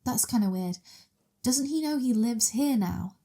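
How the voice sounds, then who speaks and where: Casting: woman as playful vampire girl for ASMR drama, high mellow voice, gleeful and teasing. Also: animated, measured pace. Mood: teasing, curious. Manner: gleeful, teasing, innocent-sounding. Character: childlike, playful, excitable female vampire mistress. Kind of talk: ASMR roleplay acting.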